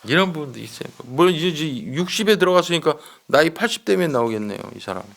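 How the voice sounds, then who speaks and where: A man's voice: a little high, animated, fast talker, vocal fry, fairly bright tone. A man giving conversational true-crime commentary like a seasoned investigator, explaining emphatically, repeating points and seeking agreement.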